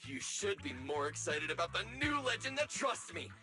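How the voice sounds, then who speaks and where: An actor voicing a boastful, excitable male robot who worships hero shows, in video game voice acting. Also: a little high, normal speed, over music. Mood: hyped. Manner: excitable, theatrical, shouting.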